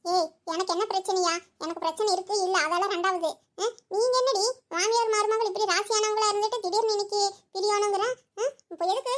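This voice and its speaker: Brief: a performer playing a nosy, preachy village woman for a cartoon, quick delivery. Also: very high voice, a bit bright. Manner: prying, lecturing. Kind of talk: cartoon voice acting.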